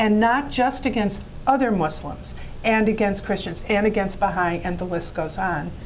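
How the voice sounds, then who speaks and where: The speech moves at a moderate pace with ordinary pitch variation. Audible room echo surrounds it. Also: woman, medium pitch for a woman. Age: 60s. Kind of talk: panel discussion.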